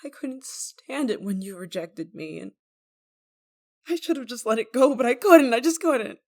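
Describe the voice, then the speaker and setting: Woman acting fragile, halting, lovesick young woman. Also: on the high side, expressive. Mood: anguished. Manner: halting, stammering, emotionally fragile. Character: desperate, guilt-ridden young woman, obsessive lover, tender and anxious. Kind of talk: intimate dramatic audio roleplay.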